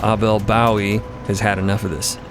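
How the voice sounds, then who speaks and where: Deep-ish guy narrator, vivid story podcast style, chatty asides, loud rumbly ambience under it. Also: flat delivery, moderate pace, background noise. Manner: vivid, descriptive, conversational asides. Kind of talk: dramatic present-tense story narration.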